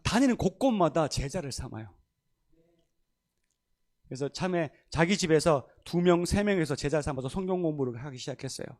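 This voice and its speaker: A male pastor preaching a sermon in a church, telling stories and acting out the voices of people in them. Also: a little high. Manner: animated, acts out quoted voices, laughs often. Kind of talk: sermon with storytelling. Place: church sanctuary.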